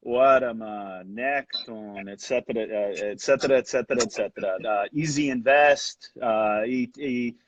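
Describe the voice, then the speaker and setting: A man's voice: medium pitch, unhurried, hardly any pauses, no room sound. A man answering as a guest fund manager in a casual interview, hesitant, full of fillers and restarts.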